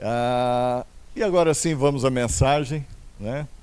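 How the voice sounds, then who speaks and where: A man's dark, mellow voice at medium pitch, very slow, with fairly even intonation. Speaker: guest preacher. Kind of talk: church announcements; sermon. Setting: church.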